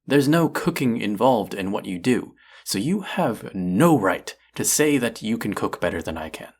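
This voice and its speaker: Man acting proud, combative chef, widely swinging pitch. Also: big pitch swings, normal speed, slightly rough, full character voice. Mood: scornful. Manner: indignant, condescending, sarcastic. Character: proud, combative male restaurant chef feuding with a critic. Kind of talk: audio roleplay acting, one-sided dialogue.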